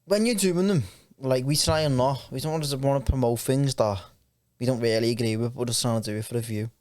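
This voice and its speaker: A man's voice: medium pitch, fast talker, darkish tone. A young man co-hosts a podcast in a mid-range voice. His talk is casual, informal and full of slang. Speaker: podcast co-host. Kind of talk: casual chat.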